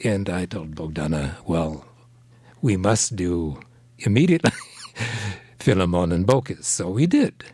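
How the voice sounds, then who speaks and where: A man, a translator, speaking hesitantly with many pauses and ums in an interview. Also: sits low, animated, a little mellow, breathy edge, no echo. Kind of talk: radio interview.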